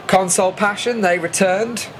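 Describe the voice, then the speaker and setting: A man's voice: high voice, steady tone, normal speed, a little hiss or hum. A man with a British accent giving a chatty, informal voice-over commentary as a vlogger recapping an event. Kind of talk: casual voice-over commentary on footage.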